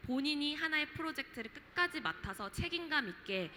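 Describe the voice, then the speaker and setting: A bright, fairly high-voiced woman in her late twenties from Jeju talks on a festival panel. She is chatty and reflective, with plenty of fillers. Her voice rings through a reverberant hall over faint ambience. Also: lively intonation, fairly quick, a little hiss or hum. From Jeju, South Korea. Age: late 20s. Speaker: panelist, startup founder.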